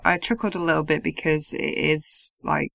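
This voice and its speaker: A woman's voice: deep voice, fairly even intonation, normal speed, gravelly, a bit bright, no room sound. A woman co-hosting a casual film review chat, laughing often, swearing freely and sounding incredulous. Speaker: podcast co-host.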